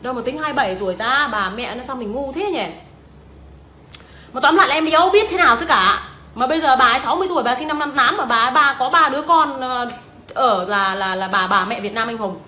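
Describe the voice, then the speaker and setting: A woman's voice: high voice, fast talker, bright, forceful tone, slight background noise. A young woman, ranting scornfully and swearing often as a vlogger. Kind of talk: profane ranting commentary. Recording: echoey room.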